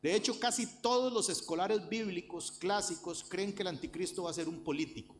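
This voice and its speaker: A man's voice: high voice, brisk. A man from Rica, preaching a sermon and Bible study to his congregation with earnest, repetitive emphasis. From Costa Rica. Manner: earnest preaching, addresses the congregation directly, repeats phrases for emphasis. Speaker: pastor.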